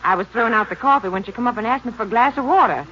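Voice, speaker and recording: A woman's voice: fairly high pitch, racing, pushed and bright. An actress playing a chatty, folksy small-town lunch counter woman with a rural American accent in a 1950s radio drama. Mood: eager, chatty. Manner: folksy, musing, gossipy. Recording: muffled, slightly noisy old radio recording.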